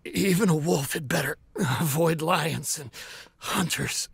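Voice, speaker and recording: High-voiced, swaggering desert mercenary. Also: male voice, measured pace, vocal fry, breathy edge, no room sound, exaggerated voice. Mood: grudging, subdued. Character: cocky male desert mercenary, menacing and defiant. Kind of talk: dramatic video game voice acting. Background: guitar music from a game trailer.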